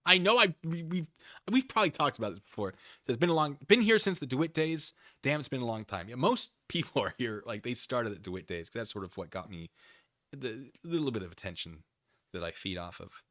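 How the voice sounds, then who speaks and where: Bright-voiced man chatting casually on a livestream. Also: medium pitch, animated, a little fast, no room sound, studio quality. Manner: self-deprecating, playful asides. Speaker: livestream host and commentator. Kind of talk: casual rambling livestream commentary, chatting with viewers.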